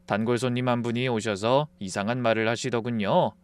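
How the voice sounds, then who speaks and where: A man's voice: mid-range voice, steady tone, fairly quick, smooth, dry recording. A man narrating a dramatic first-person story in an earnest, confiding way.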